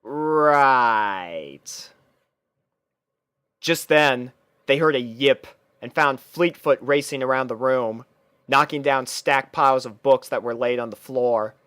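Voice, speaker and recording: A man's voice: mid-range voice, steady tone, measured pace, a bit bright, no room sound, clean studio sound. A man reading fan fiction aloud as scripted, storybook-style narration.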